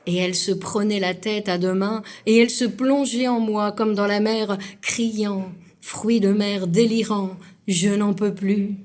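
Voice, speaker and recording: Woman reading a poem out loud, slow n measured, lots of pauses, kinda dramatic, medium pitch. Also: fairly even intonation. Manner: measured, deliberate phrasing with pauses. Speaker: poetry reader. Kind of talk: dramatic literary poetry recitation.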